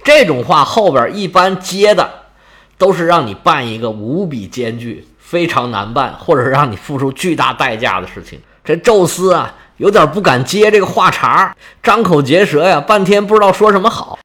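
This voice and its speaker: Lively storyteller man. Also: a little high, normal speed. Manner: lively, colloquial, chatty asides. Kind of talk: storytelling narration.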